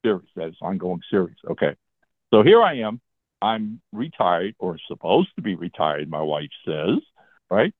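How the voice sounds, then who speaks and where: A man's voice: deep voice, big pitch swings, normal speed, dry recording. A man in his seventies, a comic book writer, telling stories about his career as a guest in a casual interview. He talks in a chatty way and keeps checking in with "all right?". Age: 70s. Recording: tinny phone-line sound.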